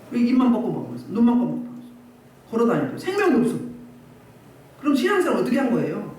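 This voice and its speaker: Woman pastor, scolding sermon style; animated delivery, distant roomy recording with faint hiss. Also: mid-range voice. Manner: scolding, exhorting, rhetorical questions. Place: church hall. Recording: echoey distant church recording, faint noise.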